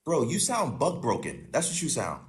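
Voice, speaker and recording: A man with a husky voice argues in a combative, repetitive way, and his pitch swings widely. He sounds like he is hosting a live stream. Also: huge pitch swings, moderate pace. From United States. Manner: combative, repeats himself. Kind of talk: heated live stream argument.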